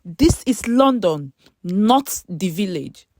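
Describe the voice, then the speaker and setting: A woman's voice: mid-range voice, animated, takes it slowly, darkish tone, no room sound, studio quality. A woman voicing a stern, fed-up woman who scolds her houseguests in a dramatic story. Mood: angry.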